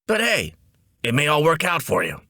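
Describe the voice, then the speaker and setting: A wisecracking female office boss as voiced by a man, bright and forceful. The delivery is breezy and emphatic, with pitch leaping around in comic audiobook style. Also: wildly swooping pitch, moderate pace, no echo, clean studio sound, exaggerated voice. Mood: breezy, blunt.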